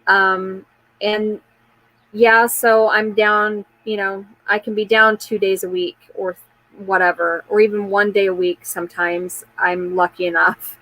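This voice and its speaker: A woman's voice: medium pitch, flat delivery, unhurried, pushed and bright, poor audio. A woman in her forties hosting a casual live chat, talking candidly in a rambling way and answering viewer comments, with frequent fillers and restarts. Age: 40s.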